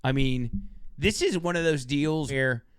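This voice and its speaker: A man hosting a podcast, chatting casually and excitedly with frequent laughs. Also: on the high side, smooth, no room sound, studio quality. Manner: excited, laughing, quick asides. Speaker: podcast host.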